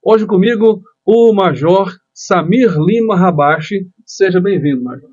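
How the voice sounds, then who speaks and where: A man's voice: high-pitched, unhurried, a little mellow, slightly rough, highs cut off. A man hosting a podcast, upbeat, polite and welcoming toward his guest. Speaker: podcast host.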